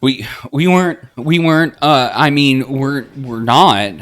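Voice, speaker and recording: Man doing a flustered young woman, pitched up. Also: fairly bright tone, lightly acted. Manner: hesitant, halting. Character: awkward, shy young woman, easily flustered.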